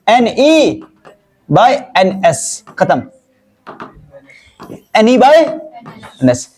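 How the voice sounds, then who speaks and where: Man, maths teacher, classroom lesson, high voice, animated, repeats and quizzes. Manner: lively, repeats and quizzes students.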